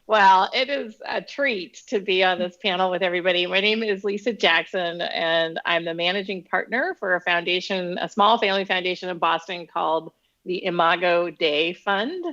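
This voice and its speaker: A woman introducing her family foundation on a panel, friendly, grateful and quick to laugh. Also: fairly low pitch. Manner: warm, laughs easily, grateful. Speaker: foundation managing partner, panelist. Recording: muffled lo-fi audio.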